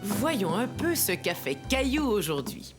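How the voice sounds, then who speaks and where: Give the voice of a gentle female storyteller in a children's cartoon. The delivery is expressive and very animated, like reading a storybook to little ones. Music plays behind the voice. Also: medium pitch, unhurried. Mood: storytelling. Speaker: storyteller narrator. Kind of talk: scripted children's story narration.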